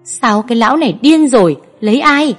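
Fussing village aunt, high and exclamatory, as a woman storyteller puts her on. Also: animated, brisk, soft background music. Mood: indignant, soothing. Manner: scolding, exclamatory. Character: fussing middle-aged village aunt, indignant.

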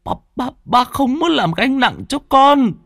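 A man voicing a frail, sick old father who speaks slowly with a trembling, pleading voice. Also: very high-pitched, big pitch swings, creaky, fairly bright tone, no echo, studio quality, pitched above the performer's own voice, exaggerated voice. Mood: sorrowful. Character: frail disabled old father, gravely ill and resigned.

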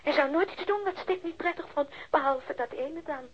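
Actress playing a guarded, high-voiced middle-aged widow. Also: female voice, moderate pace, highs cut off, lightly acted. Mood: guarded, hurt. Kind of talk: naturalistic radio drama acting.

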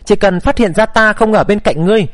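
A man voicing a weepy, halting young noblewoman in a historical storybook. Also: high-pitched, no room sound, lightly acted. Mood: tearful. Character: weepy young noblewoman, proud but remorseful.

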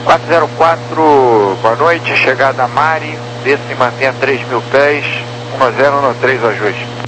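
A noisy, humming radio carries a Brazilian male air traffic controller. He gives instructions in a medium-pitched voice. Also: normal speed. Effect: aviation radio. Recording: noisy radio with engine-like hum.

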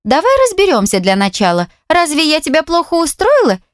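A woman's voice: high voice, big pitch swings, a little fast, no room sound, clean studio sound, voice pushed up. A woman reading an audiobook, voicing a coquettish, spiteful young woman who taunts over the phone. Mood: mocking, venomous. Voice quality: mocking, sugary and spiteful. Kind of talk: audiobook character voice.

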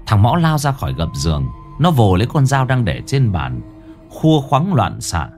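A man reading a ghost story aloud in a dramatic, expressive way. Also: mid-range voice, moderate pace, faint music behind. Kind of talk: scripted horror story narration.

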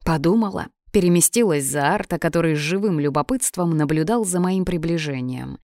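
A woman's voice: low voice, lively intonation, fairly quick, a little mellow, no echo, clean studio sound. A woman narrating a first-person novel as a hot-tempered young man, in a plain audiobook reading voice.

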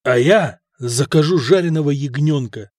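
A man reading an audiobook, voicing a blunt, hungry Arab merchant who talks in a gruff, plain way. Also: fairly high pitch, moderate pace, a little mellow, dry recording, studio quality, lightly acted.

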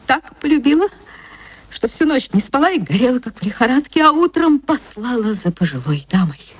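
A woman narrating an old radio play with an emotional manner and sweeping pitch swings. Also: very animated, normal speed, breathy edge, no echo.

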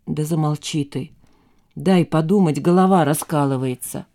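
A weary, distraught mother from a read-aloud story, voiced by a woman reader. Her low, mellow voice moves between tired murmurs and raised, shouted lines. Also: normal speed.

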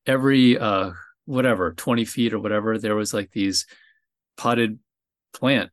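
A man from New Jersey, a guest on a podcast, talking casually and haltingly, often pausing to find his words. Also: on the low side. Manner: relaxed, hesitant, searching for words. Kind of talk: casual chat.

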